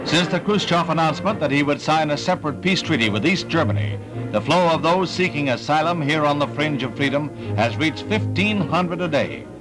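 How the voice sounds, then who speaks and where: A man gives an old newsreel narration in a slightly raised voice, delivered with emphatic, dramatic weight. Loud newsreel music plays right under him throughout the voice-over. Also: on the high side, lively intonation, a little fast, low-quality recording.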